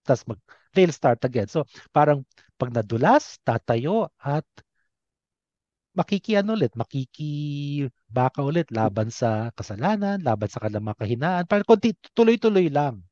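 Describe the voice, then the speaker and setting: A man's voice: a little high, very animated, normal speed, a little mellow, no room sound, dull audio. A man with a Filipino accent hosting a conversational interview, switching between two languages as he goes. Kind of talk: conversational interview hosting, mixing Tagalog and English.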